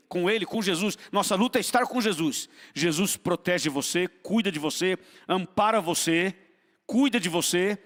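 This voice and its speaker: A man's voice: high-pitched, fairly bright tone, big-room sound. A man preaching a sermon as pastor, fervent and repetitive, asking the congregation for responses in a church.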